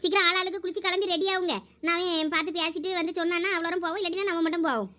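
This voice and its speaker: A woman acting out a family comedy skit, giving bossy orders in quick household banter. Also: extremely high pitch, steady tone, bright, forceful tone.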